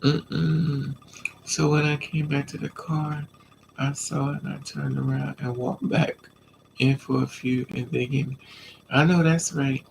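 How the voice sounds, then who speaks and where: A man's voice: fairly high pitch, unhurried, gravelly, a little hiss or hum, poor audio. A man with a stuffy nose from a coming cold, chatting casually on a live stream and answering viewers' comments. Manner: relaxed, chatty, talks back to commenters.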